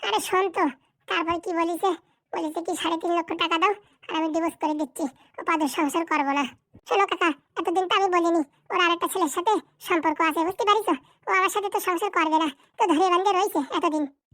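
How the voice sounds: A cartoonish character voice at a fairly quick pace. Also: woman, extremely high pitch for a woman.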